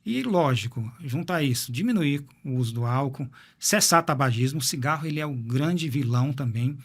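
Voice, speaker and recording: A man's voice: mid-range voice, lively intonation, moderate pace, slightly rough. A man, a cardiologist guest explaining heart health in an interview, often repeating words as he thinks. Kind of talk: medical interview.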